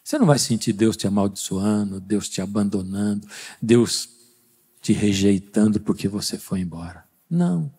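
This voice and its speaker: A man's voice: on the low side, expressive, normal speed, dark tone, breathy edge. A man with a Brazilian Portuguese accent preaching a sermon as pastor, speaking conversationally and quizzing the congregation with rhetorical questions. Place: church service.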